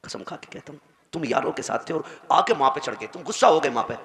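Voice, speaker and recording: A man's voice: fairly high pitch, animated, quick pace, fairly bright tone. A male preacher pleading with and scolding the young men in his audience, speaking to them directly. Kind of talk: admonishing sermon to the audience. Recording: echoey hall.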